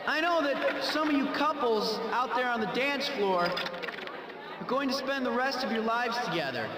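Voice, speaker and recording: An earnest high-pitched student speaker. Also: male voice. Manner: earnest and sentimental. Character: male teen giving graduation speech. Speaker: student speaker at a school dance. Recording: roomy game audio with crowd.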